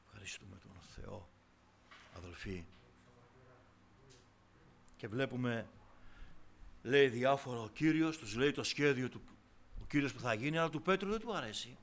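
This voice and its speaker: Bright-voiced impassioned male preacher. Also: mid-range voice, lively intonation, vocal fry, pauses often, a little hiss or hum. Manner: impassioned, swinging from hushed to loud. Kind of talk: sermon.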